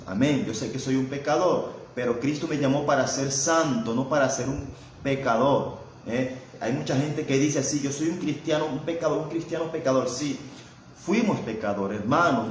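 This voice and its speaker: Man, preacher, sermon, amén after every few phrases, halting repeated words, mid-pitched voice, very echoey room. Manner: peppers speech with amén and invocations of Jesus; halting, repeats words while searching for them. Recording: very echoey room with faint background noise.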